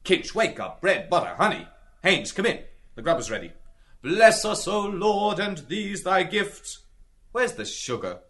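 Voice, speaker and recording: A man's voice: high voice, sing-song, measured pace, a bit bright, full character voice. A man playing a boisterous young Irishman, pompous and mock-solemn, in a literary audio drama.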